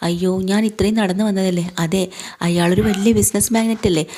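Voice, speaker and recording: A scheming young wife, acted by a woman, who puts on a polite, innocent tone. She speaks quickly in a low, mellow voice. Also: fairly even intonation, lightly acted.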